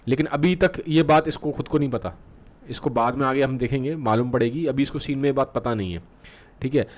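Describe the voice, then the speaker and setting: A male literature teacher explaining a play in a Hindi and English mix, checking in often with the class. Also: medium pitch. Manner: reads quoted lines slowly with fillers, frequent "theek hai".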